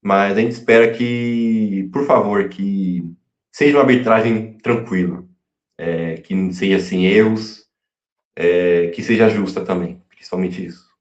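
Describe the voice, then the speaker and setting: Halting man in an echoey room. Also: on the low side. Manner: halting, many fillers and restarts. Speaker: fan channel pundit. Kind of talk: casual pre-match talk. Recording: echoey room, dull lo-fi sound.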